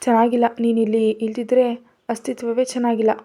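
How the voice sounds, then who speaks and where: A woman's voice: fairly high pitch, little pitch movement, fairly quick, mellow. A woman voicing a witty, commanding young woman speaking on the phone, in an audio story. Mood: playful.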